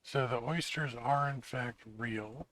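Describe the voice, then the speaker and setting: A man with a slightly hoarse voice, chatting casually while playing a survival video game. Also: mid-range voice, slow, fairly bright tone, dry recording, poor audio. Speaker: gaming channel host. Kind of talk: casual let's-play commentary.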